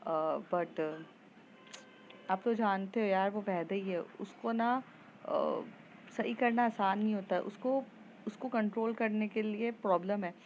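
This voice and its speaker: A woman's voice: medium pitch, unhurried, highs cut off, a little hiss or hum, natural voice. A woman voicing a chatty teenage schoolgirl who hesitates with fillers and mixes in English phrases.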